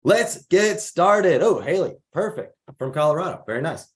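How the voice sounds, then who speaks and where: A young man from the Chicago area hosts a casual online mentor workshop over a video call. He is slightly raspy from allergies and chats easily, reading out attendees' names and where they are from. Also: a little high, very animated, normal speed. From Chicago area, United States. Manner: chatty, reads out attendees' names and places. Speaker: program founder hosting a mentor workshop.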